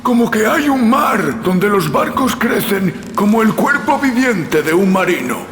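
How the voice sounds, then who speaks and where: A man voicing an old Dutch sea dog who swears to his tale in a loud, emphatic, drawn-out way, in an audiobook. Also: sits high, big pitch swings, pitched above the performer's own voice, heavily acted. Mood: emphatic boasting. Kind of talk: audiobook character voice. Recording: echoey with faint noise and ambience.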